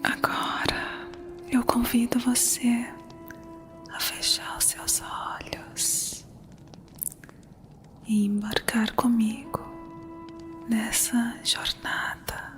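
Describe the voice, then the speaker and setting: A woman narrating an ASMR guided meditation in a soothing, unhurried manner. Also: on the high side, little pitch movement. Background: music.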